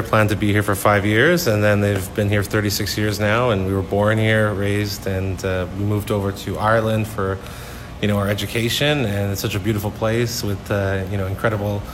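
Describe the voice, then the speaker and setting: A man's voice: fairly low pitch, little pitch movement, brisk, noisy background. A man from Turks and Caicos, a hotel guest services manager, answering interview questions in an easygoing, friendly way.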